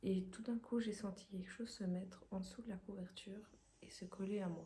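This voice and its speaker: A soft-spoken woman talks at a fairly quick pace. Her medium-pitched voice stays monotone and flat. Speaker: ASMR creator. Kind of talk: ASMR soft-spoken story time.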